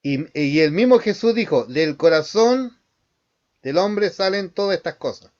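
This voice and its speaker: A man's voice: high-pitched, lively intonation, measured pace, a little mellow, muffled recording. A man, a pastor guiding an online Bible study by asking short questions and affirming answers. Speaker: pastor leading a Bible class.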